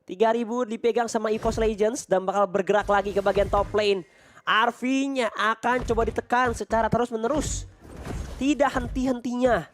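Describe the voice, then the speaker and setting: A man with an Indonesian accent doing excited esports play-by-play in the manner of a fighting game announcer, stretching out key phrases emphatically. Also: high voice, normal speed, a little hiss or hum. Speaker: esports match commentator.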